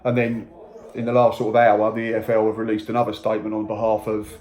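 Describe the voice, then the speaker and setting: A man hosting a casual football podcast, chatty and teasing, with quick asides. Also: fairly low pitch, monotone, a little mellow. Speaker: podcast host. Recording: echoey room.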